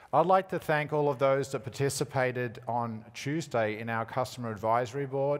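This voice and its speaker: This man speaks at a fairly quick pace with a slight Australian accent, medium pitch and ordinary pitch variation, recorded very cleanly against a silent background. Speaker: tech executive presenting at a conference. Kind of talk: keynote presentation. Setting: stage with audience. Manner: hesitant, many fillers.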